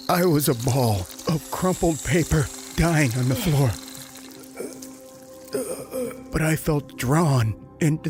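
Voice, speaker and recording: An actor playing a terrified, dying man who tells his horror story in a strained, halting way. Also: on the high side. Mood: fading, awed. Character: terrified, dying man trapped with giant snake. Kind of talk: dramatized horror audio narration. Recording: music under the voice.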